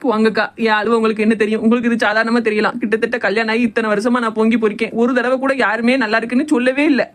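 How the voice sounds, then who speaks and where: Cartoon: emotional young daughter-in-law, voiced by a woman, high and very fast. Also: level tone, natural voice. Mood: tearful. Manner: plaintive, tearful complaining. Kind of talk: cartoon voice acting.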